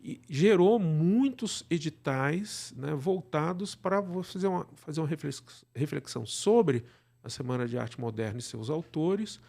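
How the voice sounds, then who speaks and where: A Brazilian man speaking as an interview guest, explaining things casually and haltingly, often checking that he is followed. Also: fairly high pitch, lively intonation, vocal fry, a little mellow. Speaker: podcast guest, radio drama producer.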